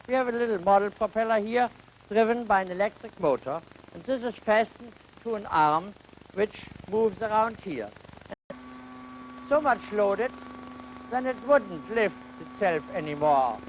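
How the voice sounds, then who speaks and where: A man explains a science demonstration at a slow, careful pace. He phrases things haltingly, like a lecturer thinking aloud. The sound is a noisy old 1950 educational film soundtrack. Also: high voice. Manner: halting, deliberate phrasing with rhetorical questions.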